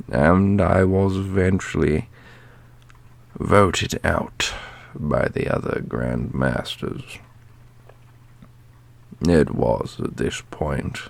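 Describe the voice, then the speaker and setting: A man playing an ancient divine grand master, a solemn exiled leader who speaks formally and deliberately in a fantasy audio roleplay. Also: sits low, creaky, heavily acted.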